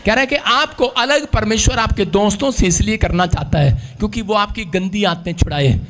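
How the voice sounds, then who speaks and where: A male preacher, giving a lively sermon that swings between shouts and hushed asides. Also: high-pitched, moderate pace, a little hiss or hum. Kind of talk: energetic sermon with call-and-response.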